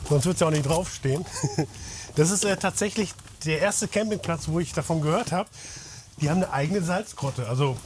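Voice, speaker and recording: A man's voice: a little high, a little fast, a little mellow, slight background noise. A man in his thirties presenting a camping travel show, talking enthusiastically and exclaiming at what he sees. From half Dutch, mother from Holland. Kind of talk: casual travel show chat.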